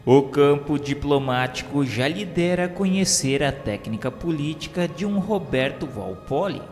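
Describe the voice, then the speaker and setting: A man's voice: fairly high pitch, animated, normal speed, darkish tone. A Brazilian man reads a scripted radio novela narration in a solemn, formal, declamatory manner. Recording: long reverb, music behind. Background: music.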